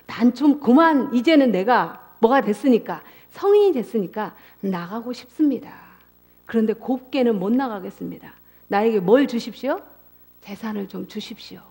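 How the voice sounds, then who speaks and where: A woman's voice: on the high side, normal speed. A middle-aged woman giving a church family seminar, asking the audience questions and acting out the voices of parents and children. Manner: lively, asks the audience questions and acts out quoted voices. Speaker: seminar speaker. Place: church hall.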